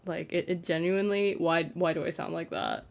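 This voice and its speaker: A young trans man with a feminine-sounding, fairly flat voice, rambling self-consciously in a casual late-night vlog from his bedroom, full of "like" fillers. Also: fairly high pitch, a little fast, gravelly. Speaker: content creator.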